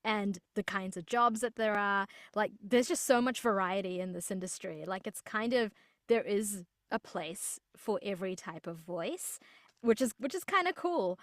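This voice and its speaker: A woman's voice: medium pitch, moderate pace, a bit bright, no echo. Upbeat young woman, dry close sound. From New Zealand. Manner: chatty, upbeat, with frequent restarts. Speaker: voice actor guest. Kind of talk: casual interview chat.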